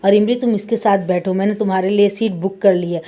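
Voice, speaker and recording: A stern, possessive young male student, as a woman reads him out. He speaks in a low-key, mellow tone and lays down firm rules for others in a story retelling. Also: fairly even intonation, brisk, natural voice.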